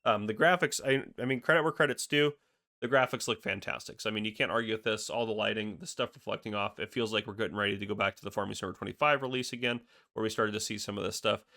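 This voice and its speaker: A man hosting a gaming video, talking casually over screenshots. His voice is raspy from a cold, and he rambles, thinking aloud with lots of fillers. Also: fairly low pitch, steady tone, fast talker, pushed and bright. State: fighting a cold.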